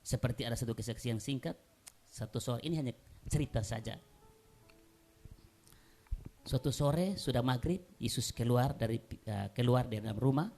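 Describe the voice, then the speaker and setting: A woman pastor preaching a sermon, emphatic and repetitive, swinging between soft and loud passages. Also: rumbling low, normal speed, long pauses. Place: church.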